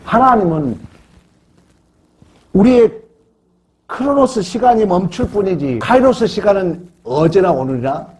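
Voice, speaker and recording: A man's voice: high-pitched, very animated, normal speed, few pauses, a little mellow. A middle-aged male pastor preaching a sermon in an emphatic, conversational way, often asking the congregation questions.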